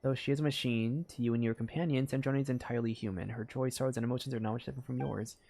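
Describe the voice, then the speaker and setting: A man streaming a game, reacting excitedly and reading game text aloud in casual commentary. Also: medium pitch, very fast, vocal fry. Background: faint game music.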